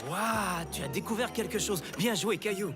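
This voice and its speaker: A man's voice: sits high, moderate pace, over loud music, natural voice. A man voicing a friendly, enthusiastic archaeologist who teaches patiently, with an encouraging, explanatory manner, in a children's cartoon dub.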